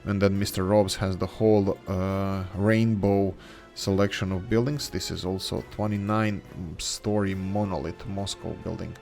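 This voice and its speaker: Low-voiced man narrating his city builder. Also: level tone, measured pace, gravelly, hardly any pauses, darkish tone, soft background music. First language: not English. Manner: rambling, self-correcting, thinking aloud while building. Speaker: gaming channel host. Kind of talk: casual let's-play commentary.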